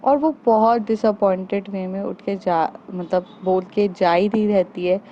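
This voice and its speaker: A woman narrates a story in a relaxed, chatty way and talks to her listeners like friends. She speaks slowly in a mellow, warm tone. The recording sounds dull and lo-fi. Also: medium pitch, a little hiss or hum. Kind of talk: casual spoken storytelling.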